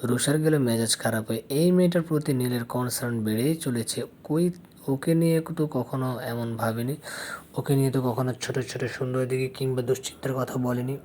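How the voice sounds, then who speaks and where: A man reading a romantic story aloud in scripted narration, with a steady, even delivery. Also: medium pitch, normal speed, slight background noise.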